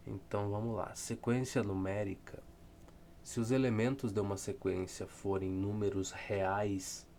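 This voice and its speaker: Slight hiss or hum accompanies a man's lowish, darkish voice as he gives a loose, rambling math lesson. Speaking with a southern Brazilian accent, he works textbook problems out loud and makes dry jokes at his own expense.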